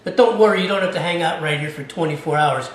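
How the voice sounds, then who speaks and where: A man's voice: a little high, fast, roomy sound. A middle-aged man hosting a casual home cooking demonstration in his kitchen, talking chattily and tagging many of his sentences with "okay?". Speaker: cooking show host.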